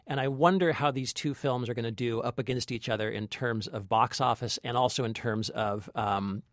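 A man's voice: medium pitch, normal speed, dry recording. A man chats about films as a podcast critic, recorded close and dry. His delivery is enthusiastic and casual, with repeated words as he gathers his phrasing. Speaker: podcast co-host, film critic. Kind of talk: casual film review chat.

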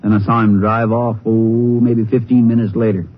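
An actor playing a folksy, plain-spoken Texas sheriff in 1950s American radio drama, talking in clipped, informal phrases. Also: male voice, fairly low pitch, flat delivery, moderate pace, close to an everyday voice. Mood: matter-of-fact. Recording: dull, noisy vintage radio recording.

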